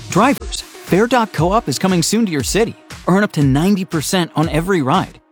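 A man doing voice-over for a commercial in an energetic, salesy way. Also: sits high, fairly quick, faint music behind.

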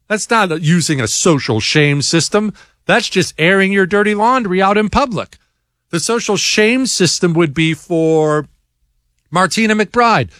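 Guy hosting a talk show, bouncy animated voice, super dry close mic, hammering his points. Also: on the high side, no room sound. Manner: blunt, emphatic, combative. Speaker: talk show host answering listener emails. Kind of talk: opinionated talk radio monologue.

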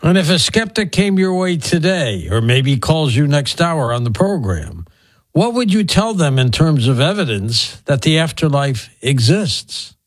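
A man's voice: a little high, big pitch swings, measured pace, no room sound. A man hosting a radio interview and asking short, probing questions. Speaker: radio host.

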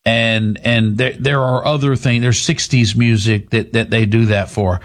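A man in his fifties hosting a talk show, speaking in a measured, reflective way with frequent restarts. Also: medium pitch, steady tone. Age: 50s. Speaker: host.

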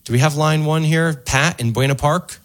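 A man hosting a call-in radio tech show, quick and chatty as he takes calls. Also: on the high side, a little hiss or hum.

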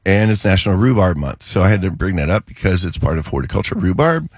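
A man's voice: deep voice, very animated, quick pace, breathy edge, dry recording, studio quality. A man hosting a casual radio garden show while he has a cold, chatty and a little wry. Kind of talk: casual talk radio chat. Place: radio studio.

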